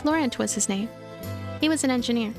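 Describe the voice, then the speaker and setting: A woman voicing a guarded, polite young heroine of a visual novel, halting in her speech. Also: fairly high pitch, over music, lightly acted. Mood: apologetic, curious.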